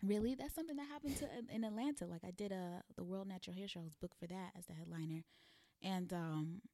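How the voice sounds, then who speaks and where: A young woman in her twenties, from the American South, is talking frankly about her work as a guest. Her voice sits low and has a gravelly fry, and it is recorded close and dry. She fills her speech loosely with "like". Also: quick pace, dry recording. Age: 20s. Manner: relaxed, candid, lots of "like" fillers. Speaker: guest blogger and content creator. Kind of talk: casual chat.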